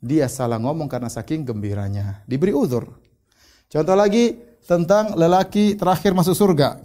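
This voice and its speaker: A man's voice: on the high side, normal speed, dark tone. A male Indonesian preacher giving a religious lecture, explaining terms and retelling stories with quoted dialogue. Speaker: Islamic preacher.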